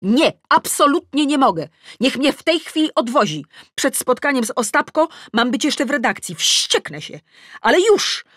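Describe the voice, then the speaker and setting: Flustered annoyed woman in an audiobook, done by a lady narrator, raised pitch, indignant, really emphatic, dry sound. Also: very animated, normal speed, a bit bright, dry recording, exaggerated voice. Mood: impatient, urgent. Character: exasperated, flustered woman, impatient with her partner.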